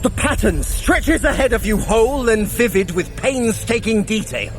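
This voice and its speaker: An actor playing a theatrical, sardonic trickster god in an audio drama, with a dramatic, flowery, wry way of talking. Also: male voice, sits high, lively intonation, normal speed. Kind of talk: scripted audio drama acting. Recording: music under the voice.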